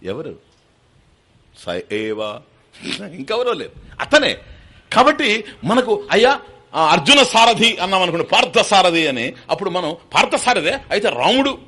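A man's voice: high voice, big pitch swings, normal speed, pushed and bright, slightly rough. A man giving a spiritual sermon, asking rhetorical questions and chanting verses. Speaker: spiritual teacher giving discourse. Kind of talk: sermon on scripture.

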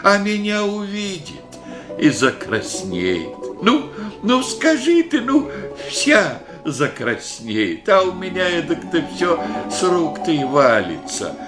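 An actor playing a gentle old village grandfather who speaks in slow, dreamy rustic speech in a radio play. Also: sits high, huge pitch swings, exaggerated voice. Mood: tender. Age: older. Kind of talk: 1980s-style radio play acting. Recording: radio play with guitar music behind.

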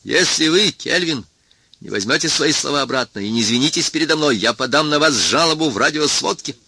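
A man's voice: very high voice, takes it slowly, gravelly, sharp tone, slightly rough, no room sound, voice pushed up, exaggerated voice. A man voicing a gaunt, haunted male scientist who turns from haughty to plaintive and pleading. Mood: indignant.

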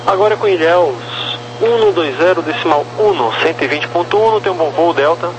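A man's voice: a little high, a little fast. A man working as an air traffic controller, giving instructions to aircraft over the radio. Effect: aviation radio. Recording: noisy radio channel with hum.

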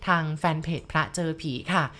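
A woman with a brisk, pushed and bright voice narrates ghost stories sent in by listeners, speaking politely and directly to her audience.

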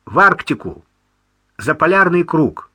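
A man's voice: fairly high pitch, very animated, measured pace, pushed and bright, no room sound, clean studio sound, voice pushed up, heavily acted. A man voicing a young man talking to his mother on the phone, affectionate and a little ironic. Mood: ironic, soothing.

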